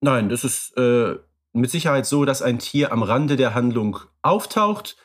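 A man's voice: mid-range voice, expressive, unhurried. A man co-hosting a podcast, talking conversationally with precise, slightly formal turns of phrase. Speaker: podcast co-host.

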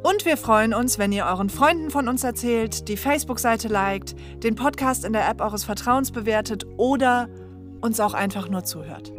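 A woman's voice: fairly high pitch, normal speed. A woman co-hosting a podcast, reading the scripted outro in a friendly way. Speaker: podcast co-host. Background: music.

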